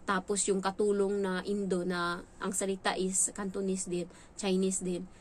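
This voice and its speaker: A woman vlogging in a casual storytelling way about her work as a domestic helper, animated and quick to act out what others said. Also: slight background noise. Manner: animated, acts out quoted lines in a higher voice. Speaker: domestic helper telling stories about her employers' child.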